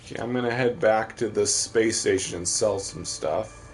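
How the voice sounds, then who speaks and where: This man streams a game and chats with his viewers in easygoing commentary, his Midwestern accent marking him as from the American Midwest. The voice sits lowish and moves at a moderate pace. Soft music plays underneath.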